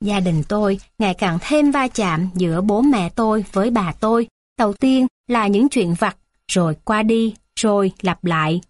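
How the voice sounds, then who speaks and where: A woman narrating a children's story in a steady, plain reading voice. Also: medium pitch, normal speed, no room sound, studio quality.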